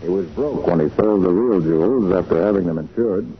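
A man's voice: low-pitched, a little fast, breathy edge. An American man playing a shrewd, self-assured private detective in a 1940s radio drama, explaining things with confident showmanship. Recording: muffled, noisy 1940s radio recording.

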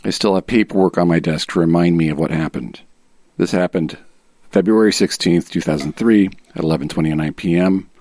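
A man's voice: sits low, a little mellow, dry recording, clean studio sound. A man reading as an aggrieved husband in his normal voice, as a guest on a podcast. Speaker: guest reader.

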